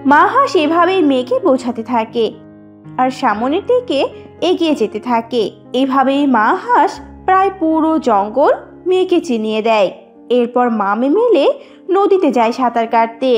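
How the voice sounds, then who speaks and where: A woman's voice: sits high, very animated, moderate pace, faint music behind. A woman reading scripted narration for a children's cartoon story.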